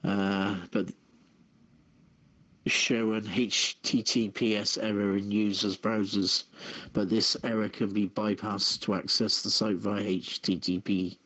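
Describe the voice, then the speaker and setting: A man hosting a live online radio show and reading out copy in a halting way, stumbling over his words. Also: lowish voice, little pitch movement, fairly bright tone, poor audio.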